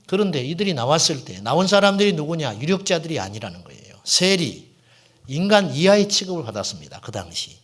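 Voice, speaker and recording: A middle-aged man preaches from the pulpit in a fairly high voice that rises and falls with a lot of life. He asks his listeners questions and answers them himself. At moments he sinks into a soft, hushed whisper to press a point home. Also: big pitch swings, a little fast. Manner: drops to a hushed, whispered tone for emphasis. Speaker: senior pastor. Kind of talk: sermon.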